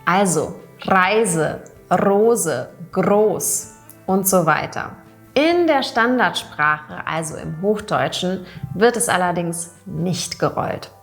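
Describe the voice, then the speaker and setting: Slow, careful woman language teacher. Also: lowish voice, animated, fairly bright tone, soft background music. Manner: slow, clearly articulated, demonstrates sounds and example words. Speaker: German pronunciation teacher. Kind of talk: scripted teaching narration.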